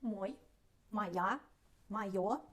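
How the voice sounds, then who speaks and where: A woman teaches beginners in an unhurried lesson. She speaks very slowly and spells out and repeats each word so learners can follow. Her pitch sits in the middle range. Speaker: Russian teacher. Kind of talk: slow language lesson.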